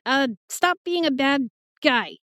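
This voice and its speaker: Actress doing a cheeky young modern gal, high voice, bouncy intonation, casual, fantasy audio drama. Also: female voice, animated, slow pace, fairly bright tone, no room sound, clean studio sound, exaggerated voice. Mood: teasing. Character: sassy, playful young modern woman in fantasy world.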